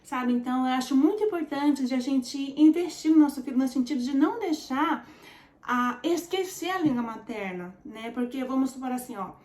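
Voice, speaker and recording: A Brazilian woman in her forties, a vlogger with a Brazilian Portuguese accent, chats casually with her viewers, calling them "gente" and using lots of fillers as she tells her story. Her voice sits high and sounds expressive and darkish, at a normal speed, in an echoey room.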